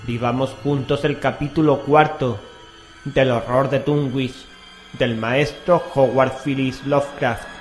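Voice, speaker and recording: A roomy, echoing recording with music underneath carries a man's voice of middling pitch. He has a Castilian Spanish accent and narrates horror with ominous, theatrical weight, like a radio host reading a dramatic script. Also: steady tone, slow. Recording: roomy echo, music bed.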